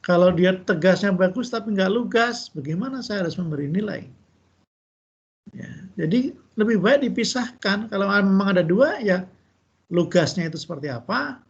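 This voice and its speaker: A man lecturing over a video call in a gravelly, somewhat husky voice that sits a bit high for a man. He gives relaxed, chatty feedback to his students, full of fillers and tag questions. The sound is dull and lo-fi. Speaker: university lecturer. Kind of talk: giving feedback in an online class.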